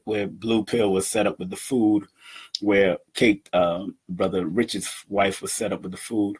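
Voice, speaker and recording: A man in his fifties talking to his webcam from a room at home, animated and boastful, laughing often as he addresses his community. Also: on the low side, breathy edge. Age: 50s. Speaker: event organizer and numerology teacher. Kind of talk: casual talk to camera. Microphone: webcam at desk.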